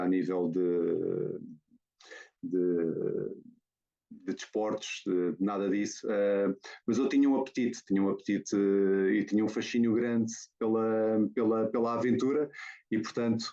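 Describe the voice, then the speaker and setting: A lowish, dark-toned man speaking with a European Portuguese accent. He talks his way through a slide presentation, stopping and restarting often as he goes. The sound is dull and lo-fi, like a video call. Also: gravelly. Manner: hesitant, many fillers and restarts. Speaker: guest photographer.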